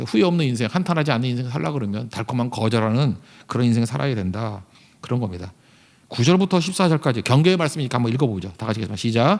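A man at a medium pitch, talking very fast with very wide pitch swings, on a very clean recording with a silent background. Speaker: pastor. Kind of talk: sermon.

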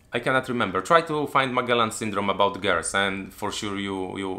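A man's bright, sharp voice moves through very wide pitch swings. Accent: Polish. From Poland. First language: Polish. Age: 40s. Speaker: travel vlogger. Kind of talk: casual chat. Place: home room.

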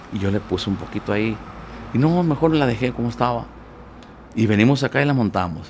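Over light background noise, a man talks at medium pitch at a very fast pace with lively intonation, broken by long, frequent pauses. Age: 60s. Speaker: singer; interview guest. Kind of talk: interview. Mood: warm, animated storytelling. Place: studio. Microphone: studio mic.

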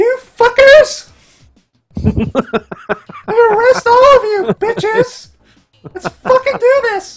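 In a put-on character voice, the speaker squeaks at an extremely high pitch and a very slow pace. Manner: psychotic, shouting, aggressive.

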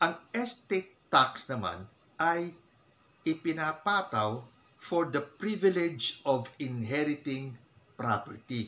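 Very slowly, a man speaks in a fairly high pitch with a bright, sharp tone and very wide pitch swings. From Philippines. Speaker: political vlogger. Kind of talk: political commentary vlog. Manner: animated. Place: home room.

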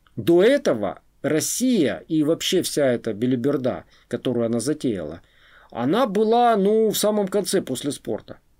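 Over a quiet background, a man with a dark, mellow tone talks fairly slowly, his pitch swinging very widely. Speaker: video blogger. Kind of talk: angry rant to camera. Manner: angry, emotional. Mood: angry, indignant. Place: studio. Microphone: studio mic.

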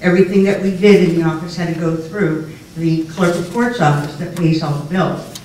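Heard with light background noise and audible room echo, a woman speaks at a moderate pace and fairly low pitch with fairly even intonation. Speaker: elections official. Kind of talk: panel presentation. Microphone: camera far.

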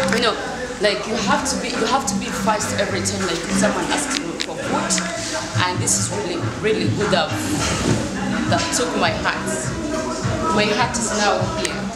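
A woman speaks at a moderate pace with long, frequent pauses against loud background noise. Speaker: food vlogger. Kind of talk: casual vlog chat. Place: cafe.

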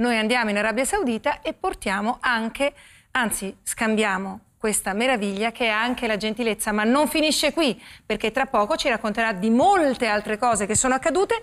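With ordinary pitch variation, a woman talks fairly quickly. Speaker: TV talk show host. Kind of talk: TV talk show interview. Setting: TV studio. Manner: animated. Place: studio. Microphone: lapel.

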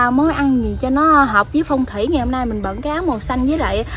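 A woman with a high pitch speaks in a dry sound with no echo over light background noise. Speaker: food vlogger. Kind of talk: casual vlog chat. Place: garden. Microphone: phone near.

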